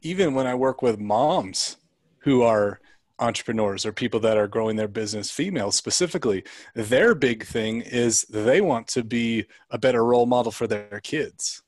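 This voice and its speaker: A man's voice: mid-range voice, moderate pace, no room sound. Male coach, upbeat conversational storyteller, dry close-miked sound. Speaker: high-performance coach. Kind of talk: casual podcast chat.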